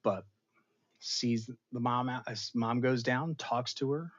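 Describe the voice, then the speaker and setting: A chatty male host tells the story of an episode to his chat, animated and prone to dramatic bursts. His voice sits mid-range, and the recording sounds somewhat dull and lo-fi. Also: medium pitch, slow pace. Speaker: show host reviewing an episode. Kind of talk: casual recap to a live chat.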